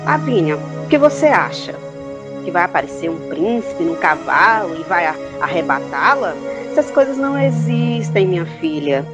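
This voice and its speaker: A woman's voice: on the low side, big pitch swings, normal speed, music in the background. A Brazilian woman playing a practical, scolding queen mother in an audio drama, with a chiding manner.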